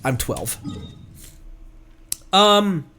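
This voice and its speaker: A man's voice: high-pitched, big pitch swings, very slow, bright, forceful tone, slight background noise. A man livestreaming a game with casual, jokey commentary, reading bits of dialogue aloud. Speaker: streamer.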